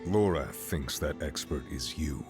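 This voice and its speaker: A man's voice: a bass voice, unhurried. An actor playing a serious, terse male adventurer in a fantasy game cutscene. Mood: solemn, serious. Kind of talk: dramatic video game cutscene acting. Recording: loud music behind the voice.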